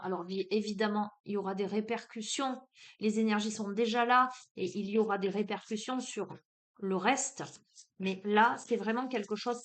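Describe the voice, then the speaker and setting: A woman with a southern French accent, giving a spiritual card reading. She talks hesitantly with many fillers, then turns emphatic. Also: medium pitch. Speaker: oracle card reader.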